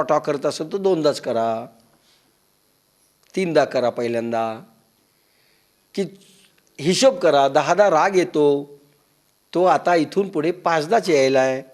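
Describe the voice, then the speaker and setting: High-voiced man giving a spiritual talk. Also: a little mellow. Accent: Marathi. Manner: storytelling, acts out dialogue in low muttering voices. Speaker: spiritual discourse speaker. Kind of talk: devotional discourse with stories.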